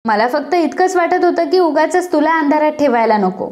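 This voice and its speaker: A woman's voice: high-pitched, lively intonation, normal speed, a little mellow. A woman voicing a meddling woman who stirs up trouble, sly and gloating, in a serial recap. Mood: hurt.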